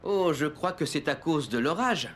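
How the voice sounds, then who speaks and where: A man voicing a cheerful, reassuring dad in a French children's cartoon, gently and patiently explaining things. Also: on the high side, expressive, moderate pace, noisy background, close to an everyday voice. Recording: music behind the voice.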